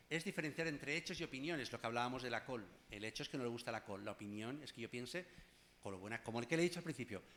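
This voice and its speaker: Chatty psychologist giving a workshop. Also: male voice, mid-range voice, a bit bright, slight background noise. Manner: conversational, addresses audience directly with asides and humor. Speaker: clinical psychologist leading a workshop. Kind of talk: informal workshop talk.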